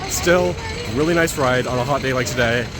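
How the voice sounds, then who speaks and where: A man's voice: mid-range voice, moderate pace, over music, low-quality recording. A man in a casual vlog, touring an outdoor amusement park and giving short, upbeat remarks to a handheld camera. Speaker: theme park vlogger.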